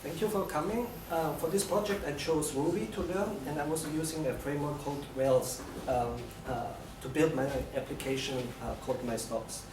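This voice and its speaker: A man's voice: on the high side, normal speed, hardly any pauses. Echoey, distant Austrian-accented man presenting. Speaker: bootcamp graduate presenting a project. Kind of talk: live technical presentation. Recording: echoey room, distant mic, noisy.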